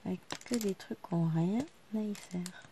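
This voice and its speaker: A little hiss or hum sits under the lowish voice of this vlogger in her thirties, who talks at normal speed. She's in her living room working on a craft, chatting quietly and casually to the camera.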